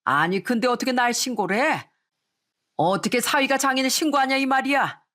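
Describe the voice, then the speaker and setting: A woman's voice: sits high, fairly quick, voice pushed up. Woman doing a blustering, pompous father-in-law. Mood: indignant. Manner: bossy, blustering, shouting. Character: pompous, hot-tempered middle-aged father-in-law. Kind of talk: radio story acting.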